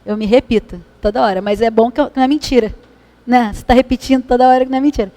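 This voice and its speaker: High-voiced Brazilian woman leading a spiritist study. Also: fairly even intonation, racing, mellow. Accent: Brazilian Portuguese. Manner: conversational, asks the room for agreement. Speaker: study group leader. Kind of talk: spiritist study talk with readings. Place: meeting hall.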